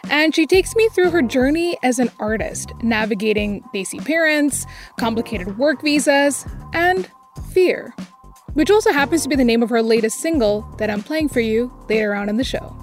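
A woman's voice: fairly high pitch, animated, moderate pace, soft background music. A woman hosting a podcast, introducing her guest and asking questions in a playful, upbeat way. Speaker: podcast host. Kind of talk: podcast interview.

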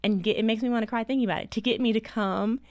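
A woman's voice: a little high, fairly even intonation, racing, darkish tone, no room sound. Earnest storytelling mother, dry sound. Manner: earnest storytelling, emotional at times. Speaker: guest, author and mother. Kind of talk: interview conversation.

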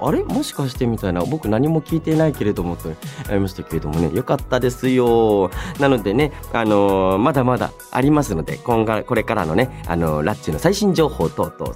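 A man in his thirties hosting a casual radio show, chatting playfully and reading listener mail in a polite but loose way, often chuckling at himself. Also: mid-range voice. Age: 30s. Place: radio studio. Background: background music.

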